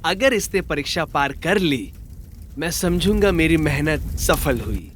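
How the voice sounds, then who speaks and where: A man's voice: fairly high pitch, expressive, a little slow, a bit bright, a little hiss or hum. Courteous old grandfather. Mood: formal. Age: older. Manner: formal, ceremonious. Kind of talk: dubbed film acting.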